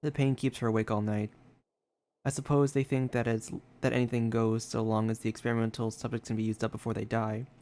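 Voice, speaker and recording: A man streaming a story game. His voice sits at an average pitch as he reads the on-screen text aloud and drops into casual, conversational commentary. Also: flat delivery, fairly quick, darkish tone.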